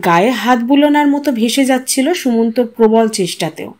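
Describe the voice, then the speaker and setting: High-pitched woman narrating a story. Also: moderate pace, darkish tone. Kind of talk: scripted literary narration.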